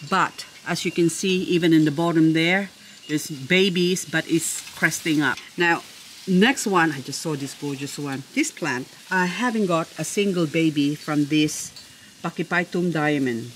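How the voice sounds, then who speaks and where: A succulent-growing vlogger chats through a casual show-and-tell, speaking slowly and lingering on her words in a slightly low voice. She gushes and admires, jokes playfully with herself, and the poor audio carries faint background noise.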